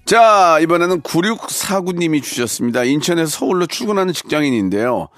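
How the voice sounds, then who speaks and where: A playful male radio host speaks into a studio microphone. He teases and coaches his callers, and his fairly high voice swings widely in pitch. The sound is close and dry, with no room around it. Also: sing-song, fairly quick, dry recording, soft background music. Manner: playful, teasing, coaching with loud bursts. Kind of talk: radio call-in show hosting.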